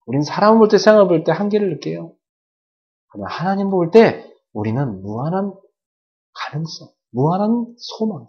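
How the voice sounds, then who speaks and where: Male pastor, lively sermon delivery, muffled old church video sound. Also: medium pitch. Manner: animated preaching with sound-effect words and questions to the congregation. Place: church service. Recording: dull lo-fi church video recording.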